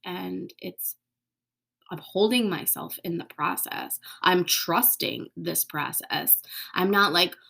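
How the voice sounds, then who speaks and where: A woman podcast host talking candidly in a casual, reflective monologue, sometimes dropping to a soft whisper and swearing casually. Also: on the low side, slow, vocal fry, breathy edge.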